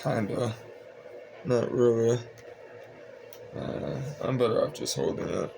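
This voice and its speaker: Sleepy young guy vlogging from home, flat and meandering, with a faint hiss under the voice. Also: medium pitch, takes it slowly, vocal fry. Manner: monotone, meandering, frequent fillers. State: tired, sleepy. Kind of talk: casual rambling vlog.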